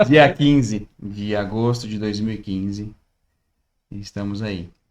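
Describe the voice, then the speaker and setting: A man with a fairly low voice talks at a very slow pace. His intonation is fairly even, but his loudness swings widely. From interior of São Paulo state, Brazil. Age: 30s. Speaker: church elder and youth leader. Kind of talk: podcast interview.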